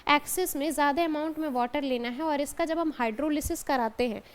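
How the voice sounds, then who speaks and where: High-voiced woman lecturing on chemistry. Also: brisk. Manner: explains step by step, often adds "ठीक है" and calls students "बेटा". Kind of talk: classroom lecture. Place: college classroom.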